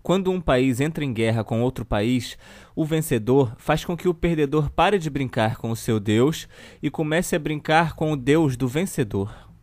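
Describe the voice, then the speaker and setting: A man with a Brazilian accent playing a children's TV uncle who reads a storybook slowly and deliberately to children. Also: medium pitch, expressive, a little mellow, lightly acted. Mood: storytelling. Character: children's TV show host uncle reading a satirical storybook. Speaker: storyteller host of a kids' show.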